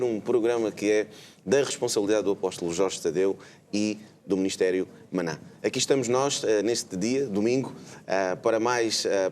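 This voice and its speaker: A man with a European Portuguese accent hosts a live religious TV show. His voice sits low, and he talks with many hesitant filler sounds. Faint ambience runs behind him. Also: darkish tone, slight background noise. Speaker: host.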